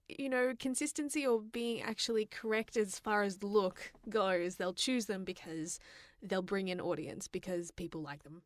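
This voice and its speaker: A woman's voice: mid-range voice, dry recording, studio quality. A woman co-hosting a podcast, talking casually in a frank, chatty and playful way. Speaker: podcast co-host. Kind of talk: casual opinionated chat.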